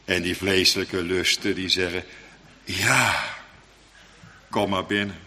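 A man preaching a sermon in a dramatic, emphatic style, with sudden loud outbursts. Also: low-pitched, fairly even intonation, takes it slowly, big-room sound, slight background noise.

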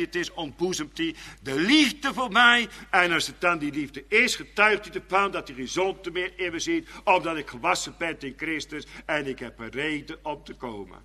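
A man preaching a sermon in a church. He moves between hushed, slow pleading and raised, fervent preaching. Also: high voice. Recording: long church reverb.

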